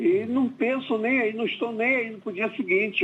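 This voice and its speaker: A man's high-pitched voice at a moderate pace. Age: 60s. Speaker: caller. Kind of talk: opinionated call-in comment. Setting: phone call.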